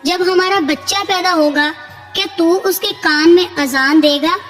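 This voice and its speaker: A woman's voice: very high-pitched, a bit bright, soft background music. A woman voicing a frightened young village woman who pleads in a trembling voice. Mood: anxious.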